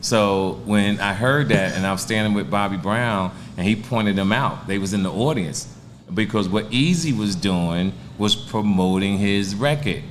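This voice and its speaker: Low-voiced man in his sixties, streetwise. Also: measured pace, slight background noise. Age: 60s. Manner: laid-back, streetwise storyteller with profanity. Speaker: stand-up comedian guest. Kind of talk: casual interview storytelling.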